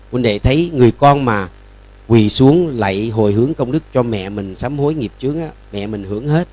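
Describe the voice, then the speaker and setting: An older Buddhist monk with a Southern Vietnamese accent gives a sermon. He talks in a folksy storytelling way and acts out the people in his stories. His voice sits at an average pitch for a man. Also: a little mellow.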